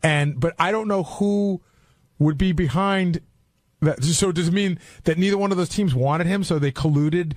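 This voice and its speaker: A man's voice: sits high, normal speed, a little mellow, no room sound. A man chatting casually as a radio panelist, candid and emphatic, often repeating himself, on a close studio microphone.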